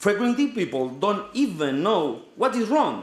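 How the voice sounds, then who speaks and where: Over noticeable background noise, a man with a Spanish accent speaks with very wide pitch swings. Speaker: conference speaker. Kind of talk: reading aloud. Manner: halting.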